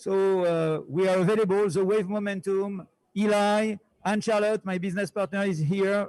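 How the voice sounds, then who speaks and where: This voice has a French accent and moves at a moderate pace. The intonation is monotone and flat. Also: man. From France. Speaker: business advisor. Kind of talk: short pitch.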